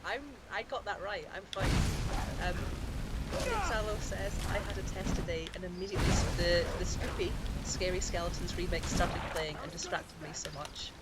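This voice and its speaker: A woman's voice: on the low side, normal speed, heavy background noise. A woman with an Edinburgh Scottish accent, reading viewers' chat comments aloud on a casual live stream with frequent giggles.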